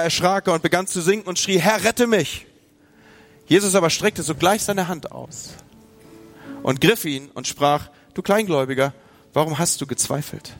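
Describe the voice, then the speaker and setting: A man preaching a sermon, from northern Germany, talking straight to his listeners and acting out their inner voices. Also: fairly high pitch. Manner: lively, speaks to the listener directly, acts out inner voices. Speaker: pastor.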